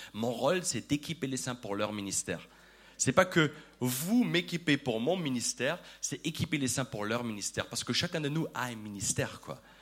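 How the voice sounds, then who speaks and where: Animated male voice with an Austrian accent, medium pitch, lively intonation and a moderate pace, on a very clean recording with a silent background. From Austria, rural mountain area. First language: German (speaking French). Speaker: pastor. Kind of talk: sermon.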